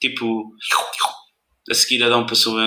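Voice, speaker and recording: Raising and projecting his voice, a man talks at a fairly quick pace in a bright, sharp tone. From Portugal, Lisbon. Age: 20s. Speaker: podcaster. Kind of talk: casual monologue. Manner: halting. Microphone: poor sound quality.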